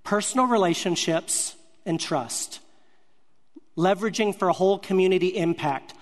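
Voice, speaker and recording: High-voiced man preaching in a reverberant hall. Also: normal speed. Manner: earnest, speaks in short broken-up phrases. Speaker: speaker sharing a ministry testimony. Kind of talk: storytelling sermon.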